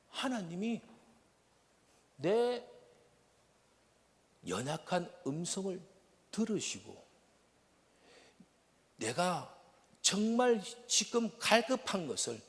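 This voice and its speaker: A man with a Gyeongsang accent preaching a sermon as a missionary, shifting from loud bursts to hushed whispers. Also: high-pitched. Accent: Gyeongsang Korean. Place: church sanctuary. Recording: long reverb of a church hall.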